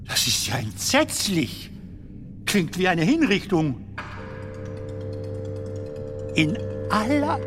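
An actor playing an elderly, wistful comedian telling stories in a theatrical radio drama manner, with dramatic pauses. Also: male voice, high-pitched, heavily acted. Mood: incredulous. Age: older. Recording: music under the voice.

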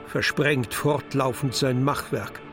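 A stern, detached philosopher guide to the underworld acted by a man speaks in clipped, instructive pronouncements. The delivery is slow and authoritative, with music behind it, as in a poetic radio drama. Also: medium pitch, lightly acted. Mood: detached, contemptuous. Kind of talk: German radio play, poetic recitation.

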